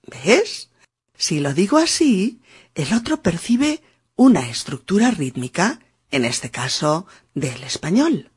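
A woman from teaching pronunciation in a podcast lesson, speaking slowly and deliberately and sounding out rhythm. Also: on the low side, sing-song, a little mellow, slightly rough. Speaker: Spanish teacher.

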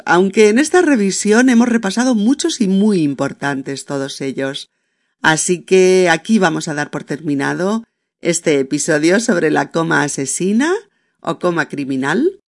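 A man hosting a podcast lesson, patiently reading example sentences aloud with their punctuation and often checking that listeners follow. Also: a little high. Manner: patient, with many checks like "¿de acuerdo?" and "¿mm?". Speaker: Spanish teacher and podcast host. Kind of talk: slow didactic podcast lesson.

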